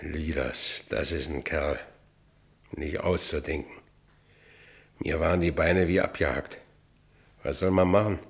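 An actor playing a bitter, self-pitying working-class ex-convict in a radio play, colloquial and with a Berlin accent. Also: male voice, a bass voice, steady tone, unhurried, creaky, pauses often, exaggerated voice. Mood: stunned, despondent. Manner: colloquial, brooding. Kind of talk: first-person radio play narration.

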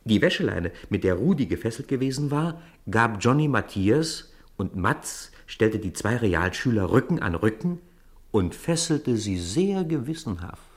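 A man's voice: fairly low pitch, big pitch swings, a little slow. A man narrating a children's radio play as a scripted storyteller.

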